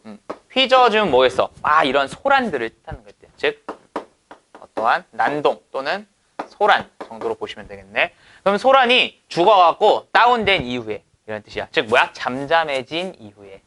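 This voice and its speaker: Lively, bright-voiced male teacher. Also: a little high, normal speed, slight background noise. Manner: asks rhetorical questions and answers them. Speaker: English teacher. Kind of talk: lecture explaining exam passages.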